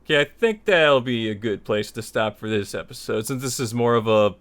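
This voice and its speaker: A man's voice: medium pitch, lively intonation, fairly quick, a bit bright. Male tutorial host, mid-range voice, conversational and opinionated, loosely structured delivery with repeated phrases for emphasis. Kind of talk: informal spoken lesson, opinionated explanation.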